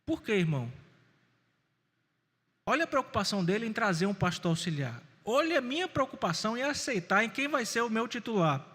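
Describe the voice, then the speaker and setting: Man, Brazilian Portuguese accent, pastor's sermon, very high voice, long church reverb. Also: brisk, breathy edge. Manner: animated storytelling preacher, folksy asides. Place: church sanctuary.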